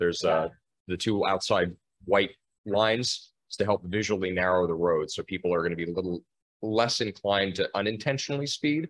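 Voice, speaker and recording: With an American accent, an ordinary speaking voice goes at a fairly quick pace with ordinary pitch variation against a quiet background. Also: man, fairly low pitch for a man. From Pennsylvania. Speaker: township board chair. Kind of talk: public meeting. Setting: meeting room. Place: meeting room. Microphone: podium.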